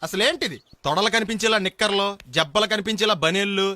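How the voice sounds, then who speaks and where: An actor playing a cheeky young man who talks back in quick, rambling comic lines in a film comedy scene. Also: sits high, pushed and bright, no echo. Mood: indignant. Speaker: comic lead. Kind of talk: Telugu film comedy acting.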